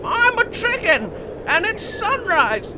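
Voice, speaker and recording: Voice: very high voice, big pitch swings, takes it slowly, exaggerated voice. An actor voicing a sassy female talking chicken in an audio drama, with a blunt, snippy manner. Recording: faint background noise.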